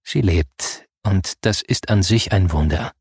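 A man voicing a calm male hospital doctor who speaks quietly and plainly. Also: low-pitched, slow pace, creaky, husky, dry recording, studio quality, full character voice. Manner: quiet, matter-of-fact.

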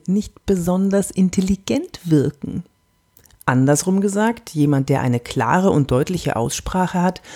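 Low dark-voiced woman podcast coach, lively, drops into whispers now and then. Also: slightly rough. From Franconia, Germany. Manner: animated and emphatic, with whispered asides. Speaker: podcast host and body-language coach.

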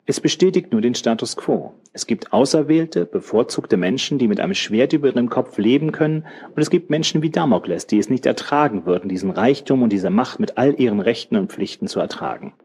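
A man voicing a learned old man who explains a legend in a measured, lecturing way. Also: medium pitch, expressive, darkish tone, breathy edge, pitched above the performer's own voice. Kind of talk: audiobook character voice.

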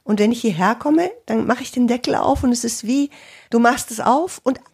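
A woman's voice: a little high, normal speed, a little mellow, slightly rough. A woman in her fifties in casual conversation as a podcast co-host, reflective and searching for words.

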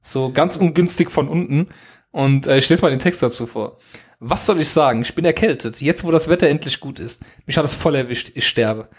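Podcast co-host, male, casual and teasing, reads mail aloud, voice sits a bit high. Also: brisk, breathy edge. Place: home.

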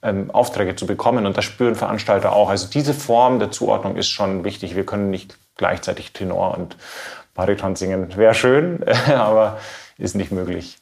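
A man from Bavaria, a trained baritone, giving reflective, measured interview answers and searching for his words. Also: vocal fry, a little mellow. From Bavaria, Germany. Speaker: classical baritone singer being interviewed.

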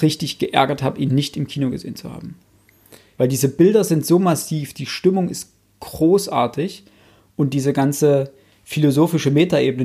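A man's voice: on the high side, creaky, dark tone, husky. A man in casual podcast chat, thinking aloud with frequent restarts and enthusiastic recommendations, close on a studio mic.

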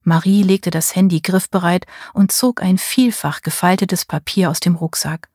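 Eine Frau liest ruhig eine Erzählung vor. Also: female voice, on the low side, fairly even intonation, moderate pace, darkish tone, husky, no echo, clean studio sound. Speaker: audiobook reader. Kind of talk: scripted narration.

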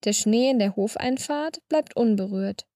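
A woman narrating a short story in a calm, measured reading voice on a close studio mic. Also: a little high, no echo. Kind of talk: scripted narration.

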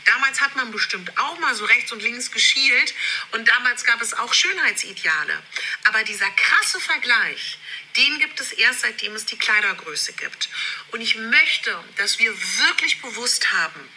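Woman, passionate motivational talk, emphatic repetitions, bright tone, re-recorded video audio with poor sound quality. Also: fairly high pitch, expressive, unhurried. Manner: passionate, emphatic, repeats words for effect. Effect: video audio re-recorded for the podcast, poor sound quality. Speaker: podcast host. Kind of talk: motivational self-love talk. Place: friend's garden shed.

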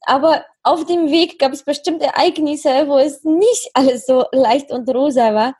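Female interviewer, high mellow voice, long winding questions, dry close recording. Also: measured pace, dry recording. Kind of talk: conversational interview.

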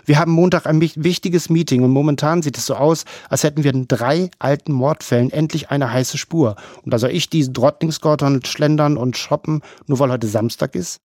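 A man voicing a brisk, mocking female police chief who needles her colleagues with pointed questions. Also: fairly high pitch, darkish tone, no room sound, clean studio sound, pitched above the performer's own voice. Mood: needling.

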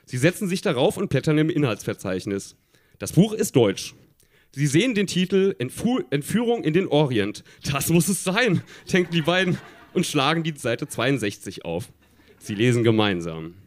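A man reads a children's story aloud with a lively, wandering melody, chuckling as he goes. His voice sits a little high for a man, and he sometimes trips over a word before setting it right. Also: normal speed. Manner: chuckling, stumbling over words, addressing listeners.

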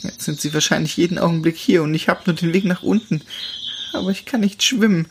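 A man puts on a young female animal on the run, frightened and breathless. The voice sits high and anxious, pleading at every turn. Crickets and birds chirp audibly behind her. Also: a little fast, a little hiss or hum.

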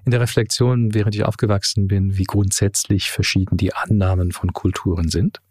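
A man in his forties, raised in Canada and speaking with a slight tinge, answers interview questions thoughtfully, with pauses and fillers. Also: lowish voice, level tone, a little mellow, no echo, clean studio sound. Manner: thoughtful, hesitant, many fillers. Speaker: podcast guest.

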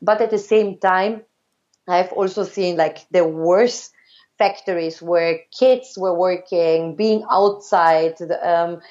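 Woman guest telling her story, halting. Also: on the low side, steady tone, a little mellow, muffled recording. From Austria. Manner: halting, many fillers and restarts. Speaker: podcast guest. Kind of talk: casual interview storytelling.

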